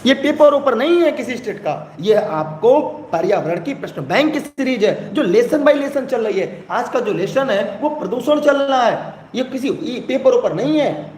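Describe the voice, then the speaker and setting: A man's voice: extremely high pitch, animated, moderate pace, a little mellow. A young man with an eastern Uttar Pradesh Hindi accent teaching a live online exam-prep lesson, who keeps urging viewers to comment and repeats his phrases. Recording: echoey room, faint background noise.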